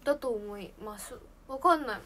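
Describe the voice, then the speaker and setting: High-pitched teen girl, lilt, giggly casual stream chat answering comments. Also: normal speed, a bit bright. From Japan. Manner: bubbly, giggly, reads and answers viewer comments. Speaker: idol trainee streamer.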